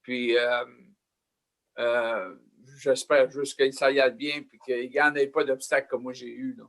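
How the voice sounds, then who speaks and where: A man's voice: mid-range voice, flat delivery, unhurried, a bit bright. An older man speaking on a casual panel. He talks plainly with many hesitant fillers and uses folksy comparisons.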